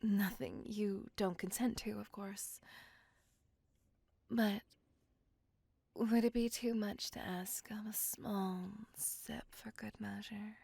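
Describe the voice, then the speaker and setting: A genteel, possessive ancient vampire woman, voiced by a woman, whispers slowly and intimately right against a close ASMR mic. Her hushed voice is gravelly and breathy. She speaks in formal, old-fashioned phrases and pleads softly. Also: mid-range voice, fairly even intonation, no echo, exaggerated voice. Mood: coaxing. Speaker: voice actor. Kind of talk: ASMR roleplay. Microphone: close ASMR microphone.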